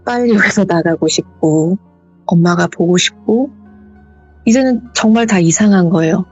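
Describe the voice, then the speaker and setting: A woman's voice: on the low side, moderate pace, a little mellow, slightly rough, muffled recording, soft background music. A woman hosting a horror radio show, retelling a listener's true ghost story in a conversational way. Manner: conversational storytelling, acting out the quotes.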